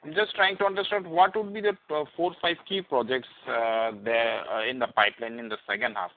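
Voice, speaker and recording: A male analyst with an Indian accent puts questions on a conference call through a headset. His mid-pitched voice is narrowed by the phone line, and his phrasing is hesitant and circles back on itself. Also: fairly even intonation, brisk, slight background noise.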